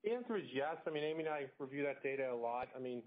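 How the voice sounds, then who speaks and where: A man's voice: medium pitch, lively intonation, racing. A man speaking as a company executive on a phone conference call, answering in an informal, folksy way. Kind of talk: earnings call answers, business talk. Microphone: telephone conference call. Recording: tinny phone line.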